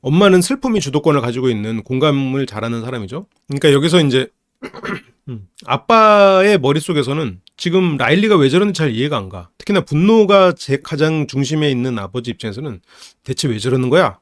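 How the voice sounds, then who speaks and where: Guy breaking down a movie, kinda high voice, dry close sound, acts out lines and laughs. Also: brisk, no room sound. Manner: lively, acts out characters' lines, laughs often. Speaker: psychology channel host. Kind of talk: casual film analysis talk.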